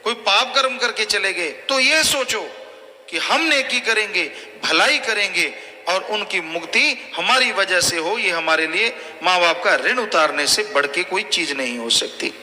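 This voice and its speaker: A man's voice: sits high, expressive, measured pace, sharp tone. A man preaching a sermon, warning his listeners again and again. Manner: exhorting, repetitive warnings. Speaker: spiritual preacher. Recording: long hall reverb, faint noise.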